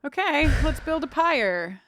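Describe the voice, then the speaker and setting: A woman co-hosting a podcast in a casual recap chat, animated, swearing freely, acting out characters' lines. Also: high-pitched, measured pace, no echo, studio quality. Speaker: podcast co-host.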